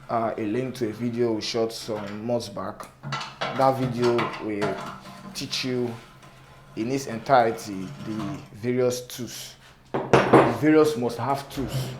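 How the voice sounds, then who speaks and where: A man instructor with a cracked, sore-throated voice, giving an informal hands-on repair tutorial in a halting, repetitive way. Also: medium pitch. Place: indoor workshop table. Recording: noticeable background noise, clicks.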